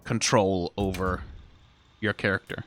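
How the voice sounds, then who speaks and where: A man's voice: low voice, fairly even intonation, unhurried, a bit bright, faint music behind. A man doing casual video game commentary as he plays, musing aloud and trailing off as he reads. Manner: musing aloud, trails off reading on-screen text. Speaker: streamer playing a video game.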